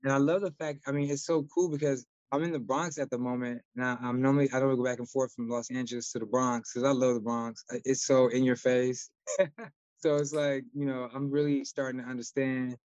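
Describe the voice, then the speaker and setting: A man's voice: medium pitch, level tone, fairly quick, darkish tone, no echo. A man hosting an interview, chatty and enthusiastic, laughing easily as he asks questions. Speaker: interviewer host. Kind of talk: casual interview chat. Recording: dull lo-fi dry sound.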